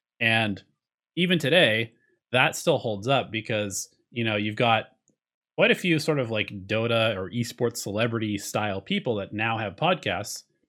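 A man talks in a normal speaking voice at a medium pitch. His intonation is lively, and his pace is moderate. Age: 30s. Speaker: gaming podcast host. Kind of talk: casual chat.

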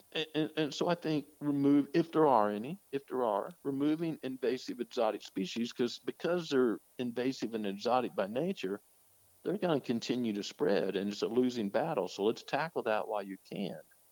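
A man with an ordinary speaking voice, medium pitch and lively intonation is heard in a dry, close sound with no echo. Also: moderate pace. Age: 60s. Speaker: wildlife biologist. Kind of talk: interview.

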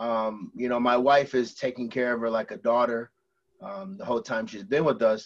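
Moderate-paced speech from a man, a normal speaking voice of medium pitch, with big swings in loudness. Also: ordinary pitch variation. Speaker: guest, husband.

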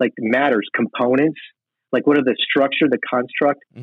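This man has a normal speaking voice and fairly even intonation. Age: 50s. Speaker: student ministry professor. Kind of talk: interview.

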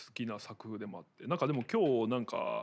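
A man talks at a fairly quick pace with lively intonation. His is an ordinary speaking voice, medium in pitch. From Shiga, Japan. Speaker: podcast host. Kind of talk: casual interview chat.

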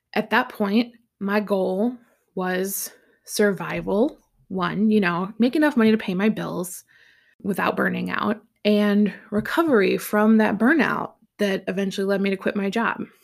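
At a fairly slow pace with ordinary pitch variation, the voice comes through in a very clean recording with a silent background. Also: woman, medium pitch for a woman. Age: 30s. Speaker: podcast host and motivational coach. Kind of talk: solo podcast monologue. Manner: casual, conversational.

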